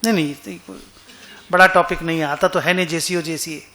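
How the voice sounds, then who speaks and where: In an online class recording, a male accounting teacher gives a relaxed, conversational lecture, often asking students questions to check they follow. His voice sits high, sounding bright and forceful, and he talks a little fast.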